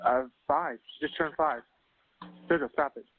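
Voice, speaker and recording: A man making an emergency call over the phone, halting and flustered, repeating himself as he explains. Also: a little high, faint music behind. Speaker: emergency caller, father. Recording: noisy, tinny phone line recording.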